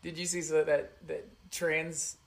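A man's voice: fairly high pitch, flat delivery, unhurried, creaky. Man in his forties, podcast co-host, dry jokes, teasing banter. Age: 40s. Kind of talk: casual chat.

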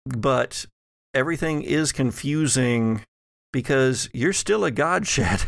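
A man acting as game master, improvising atmospheric narration of a tabletop game in deliberate phrases with many pauses. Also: medium pitch, gravelly, dry recording, clean studio sound. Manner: slow, deliberate, pausing between phrases.

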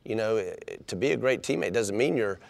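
A deep-voiced man with a drawl, a basketball coach speaking casually in a radio interview. He stumbles and repeats words, then warms up and gets louder as a story builds. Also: lively intonation, gravelly. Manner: halting, repeats words, warms up when telling stories. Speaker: women's basketball head coach.

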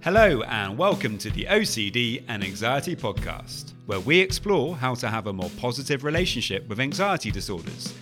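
A man's voice: mid-range voice, big pitch swings, normal speed, few pauses, over music. A man hosting a podcast, friendly and hesitant, with many uhs and restarts. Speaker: podcast host and coach. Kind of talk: podcast intro and interview.

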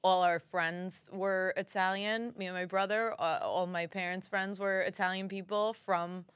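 A woman, telling stories in an animated, joking way as a studio guest. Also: medium pitch, unhurried, smooth, no room sound. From Brooklyn, New York. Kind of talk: casual interview chat.

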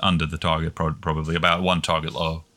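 Deep-voiced man telling shooting stories. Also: fast. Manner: relaxed storytelling with lots of fillers and restarts. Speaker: precision rifle shooter. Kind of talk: casual podcast chat.

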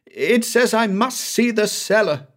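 A man's voice: expressive, unhurried, a bit bright. A man voicing a terrified, guilt-haunted man who shrieks in frantic fear in a dramatic audiobook reading. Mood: frightened. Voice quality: shrill, frantic.

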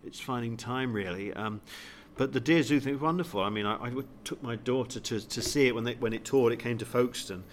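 A man's voice: mid-range voice, a little fast, few pauses, slight background noise. A man, a comedian chatting playfully and enthusiastically as an interview guest. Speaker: guest, comedian and pantomime actor. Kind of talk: animated interview chat with comic wordplay.

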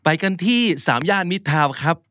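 A man's voice: sits high, a bit bright, clean tone, no room sound. A young man teaching English pronunciation, modelling phrases syllable by syllable before chatty explanations. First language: Thai. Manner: models phrases slowly, syllable by syllable, then explains quickly and casually. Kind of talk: slow drilled repetition between quick explanations.

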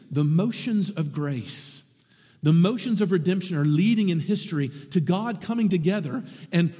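A man preaching a sermon to his congregation, lively and animated, with wry asides. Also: high-pitched, husky, in a large hall. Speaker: pastor.

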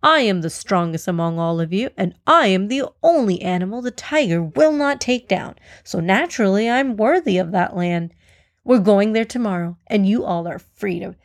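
A woman's voice: medium pitch, dry recording, lightly acted. Woman as a big male elephant, bossy, boastful, sarcastic, children's storybook, dry recording. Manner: pompous, sarcastic, commanding.

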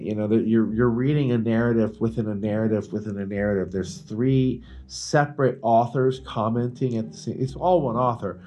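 A man's voice: medium pitch, dark tone. A man co-hosting a podcast, telling stories in a casual, emphatic, informal way and swearing freely. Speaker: podcast co-host. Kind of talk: casual banter and storytelling.

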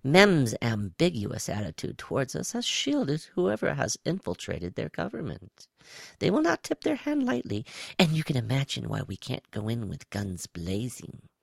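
A man's voice: medium pitch, wildly swooping pitch, normal speed, gravelly, no echo, studio quality, voice pushed up, full character voice. A man voicing a reptilian alien spy in an audiobook story, with a lilting, nonchalant manner. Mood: explanatory. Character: high-pitched reptilian alien spy, casual, sly intelligence officer.

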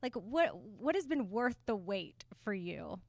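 A woman's voice: medium pitch, sing-song, a little slow, vocal fry, a little mellow, no echo, clean studio sound. A woman interviewing casually on a live red carpet entertainment show.

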